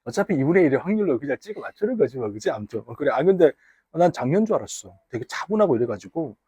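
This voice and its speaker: Lively, husky-voiced man teaching a class. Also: on the high side, quick pace, no echo. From Gyeongsang region, Korea. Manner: teasing, chatty, banters with students. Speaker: high school English teacher. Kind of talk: casual classroom lecture. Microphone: wearable mic.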